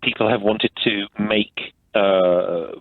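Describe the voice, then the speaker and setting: A man calling in to a radio phone-in, talking in a halting way with many fillers. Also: fairly low pitch, fairly even intonation, dry recording. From United Kingdom. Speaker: caller. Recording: tinny phone line.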